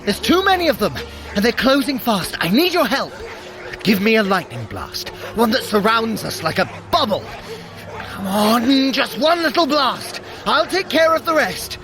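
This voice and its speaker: An actor playing a sly, vain trickster god in an audio drama, sardonic and theatrical, sharp-tongued with a fretful edge. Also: male voice, very high voice, big pitch swings, normal speed, over music, exaggerated voice, poor audio. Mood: urgent, alarmed. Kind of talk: audio drama acting, addressing the listener.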